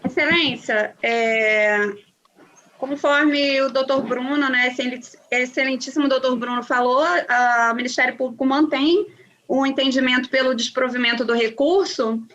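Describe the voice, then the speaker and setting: A woman's voice: high-pitched, steady tone, moderate pace, fairly bright tone, muffled recording, slight background noise. A woman from Rio de Janeiro with a Carioca accent, a regional electoral prosecutor stating her legal opinion in court carefully, with restarts. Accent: Carioca Portuguese.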